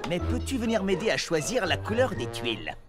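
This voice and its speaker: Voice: mid-range voice, sing-song, brisk, over loud music, close to an everyday voice. An actor voicing an eager, helpful little builder creature in a children's cartoon, with an obliging, upbeat manner. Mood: busy, helpful. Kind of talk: animated children's cartoon dub.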